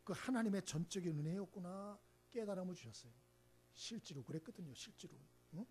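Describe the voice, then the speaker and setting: Husky man preaching a Sunday sermon. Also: high-pitched, lively intonation, a little fast, a little mellow. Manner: conversational, emphatic, frequent rhetorical "eh?" to the congregation. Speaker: senior pastor. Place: church sanctuary.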